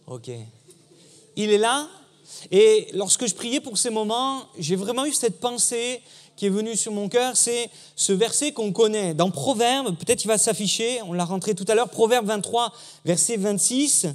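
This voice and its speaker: A man's voice: sits high, a little slow. A man giving a sermon as guest preacher in a church, talking conversationally and engaging the congregation.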